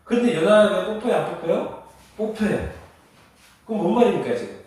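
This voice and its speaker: A male pastor preaches in a church sanctuary. He fires rhetorical questions at his listeners and stresses his answers. His somewhat high voice reaches the mic from a distance, wrapped in heavy hall echo. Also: very animated, a little fast, darkish tone. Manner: asks the congregation rhetorical questions, emphatic. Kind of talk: sermon. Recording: echoey hall, voice heard from a distance.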